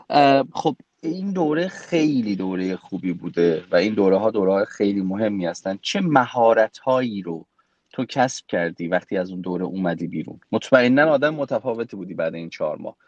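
A man's voice: lowish voice, darkish tone, dry recording, lo-fi sound. A man with an Iranian accent hosting a conversational interview, affirming and recapping as he puts his questions. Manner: affirming, recapping what the guest said. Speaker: interviewer, host.

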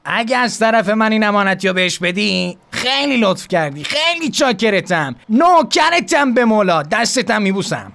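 A man voicing a young man who pleads for a favour in a fawning, rushed way. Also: high-pitched, sing-song, fairly bright tone, voice pushed up, full character voice. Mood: pleading.

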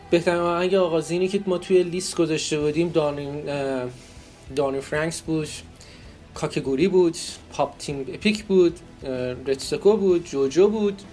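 Faint music plays as a man with a darkish, higher-leaning voice shares poll results on the podcast he co-hosts. His chat is casual and jokey, with frequent laughter and rhetorical questions.

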